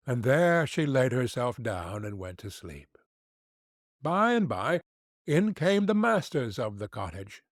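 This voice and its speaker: A man narrating a fairy tale for an audiobook in a measured storytelling manner. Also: medium pitch, dry recording, clean studio sound.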